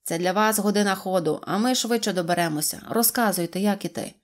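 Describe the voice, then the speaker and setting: A woman voicing a brisk, bossy little male mechanic in a storybook, giving loud marching commands. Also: mid-range voice, natural voice.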